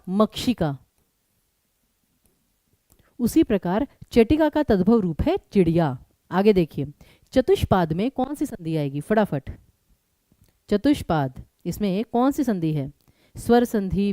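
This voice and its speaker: Teaching an exam-prep session live online, this young woman talks quickly, mixes English into her Hindi, and keeps pushing her students for quick answers. Her voice is mellow and medium-pitched, captured close and dry.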